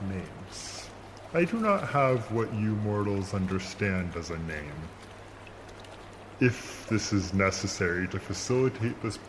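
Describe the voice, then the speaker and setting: Man voicing an ancient sea monster, very deep and slow. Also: noisy background. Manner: formal, measured, stilted speech. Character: ancient, aloof male sea monster, formal and grave. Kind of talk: audio drama acting. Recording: loud watery ambience behind voice.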